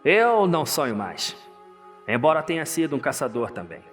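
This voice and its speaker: A man's voice: fairly high pitch, very animated, moderate pace, far from the mic, soft background music, voice pushed up. A man voicing a weary old hunter, solemn and cryptic, in an audio drama. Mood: grave, foreboding.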